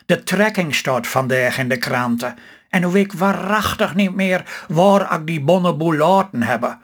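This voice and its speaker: A woman's voice: lowish voice, a little slow, breathy edge. A man reading a storybook voice of a hopeful, chatty rural housewife who chides her husband, in Stellingwerf dialect. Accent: Stellingwerf Low Saxon dialect. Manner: lively, chiding, optimistic.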